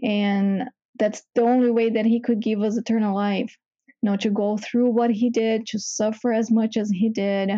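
A woman speaks with emphatic enthusiasm about her faith. Her voice is mellow and the recording is dry and slightly muffled. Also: fairly high pitch, level tone, normal speed, dry recording. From Brazil. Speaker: church member giving a testimony. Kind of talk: personal faith testimony.

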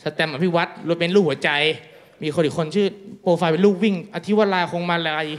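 Man, stand-up comedian, high voice, crude self-mocking storytelling, noisy live room. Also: fast. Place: small live venue with audience.

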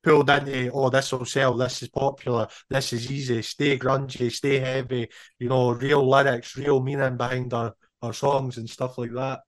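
A man's voice: medium pitch, moderate pace, few pauses, no room sound. Scottish man in his thirties, dry sound. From Scotland. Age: 30s. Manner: relaxed, rambling, lots of "you know". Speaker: band member guest. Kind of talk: casual interview chat.

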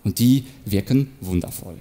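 A man giving an animated, explanatory talk on manipulation and rhetoric, sometimes acting out short example quotes. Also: fairly low pitch, normal speed. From Ukraine. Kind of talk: stage talk to an audience.

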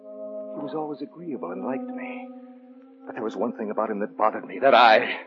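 An actor playing a nervous, guilt-haunted young man in an old-time radio drama, hesitant and pleading, breaking into frantic shouts. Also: fairly low pitch, very animated, moderate pace. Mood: brooding. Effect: old-time radio drama broadcast. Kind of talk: 1940s radio acting. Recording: dull lo-fi old radio recording with music.

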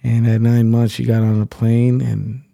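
A male host with a mellow, warm tone chats with his guest in an easygoing, slangy way. He hypes things up casually. The recording is dry and close. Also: mid-range voice, level tone, normal speed, gravelly, dry recording. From born in the Bronx. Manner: easygoing, hype-filled, slangy. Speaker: podcast host. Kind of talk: casual interview chat. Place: high-rise office.

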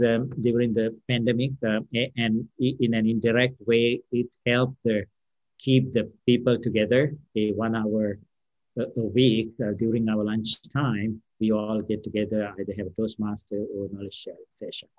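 A man speaking English as his third language, answering interview questions as a company founder with many fillers, pauses and restarts. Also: mid-range voice, darkish tone, no room sound, lo-fi sound. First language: non-English first language. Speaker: company founder and CEO, guest. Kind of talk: unscripted podcast interview answer.

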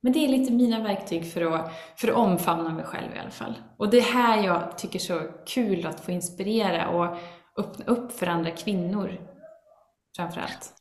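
A woman's voice: medium pitch, roomy sound. A woman guest talking earnestly in a casual conversation, now and then acting out her own inner voices. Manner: earnest, animated, with acted asides of her inner critic.

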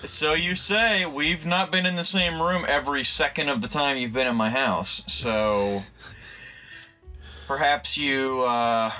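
A man co-hosts a comedy podcast, rambling through silly paranoid tangents, swearing a lot and laughing often in casual chat. His medium-pitched voice is a little slow and sounds pushed and bright. Faint music plays behind a rough recording.

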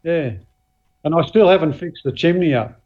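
An Australian man, a guest axe and knife maker, talking casually and modestly with many pauses and fillers. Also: fairly high pitch, muffled recording. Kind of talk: casual podcast chat.

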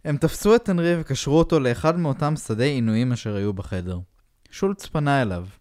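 A man, a podcast co-host, reading a pulp novel aloud in a flat, deadpan way. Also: mid-range voice, no echo, clean studio sound.

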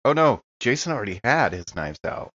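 A man plays a tabletop roleplaying game, casually describing his moves. His voice is medium in pitch and recorded close, with no room sound. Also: very animated, fairly quick, a bit bright, breathy edge, no room sound, lo-fi sound.

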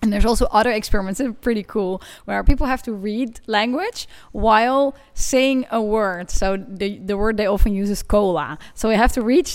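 A woman's voice: mid-range voice, normal speed, few pauses. A woman whose first language is not English, explaining her research with enthusiasm in an interview. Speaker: guest researcher. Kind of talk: conversational interview.

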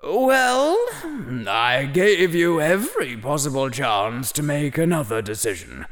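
A man's voice: medium pitch, fairly bright tone, pitched above the performer's own voice, heavily acted. A man reading an audiobook, voicing an ancient, sly and cranky talking magic hat that teases and scolds theatrically. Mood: solemn. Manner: teasing, theatrical, grumpy old-man scolding. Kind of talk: audiobook character voice.

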